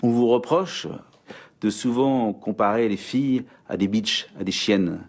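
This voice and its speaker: A man who conducts a formal face-to-face interview, asking measured, polite questions. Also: fairly low pitch.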